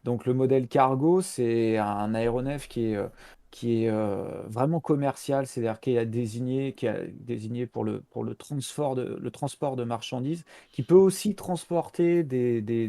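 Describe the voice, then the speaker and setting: A man narrates a tabletop game as its game master. His voice is gravelly and dark in tone. He explains haltingly, full of fillers and restarts. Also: medium pitch. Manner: hesitant, many fillers and restarts while explaining.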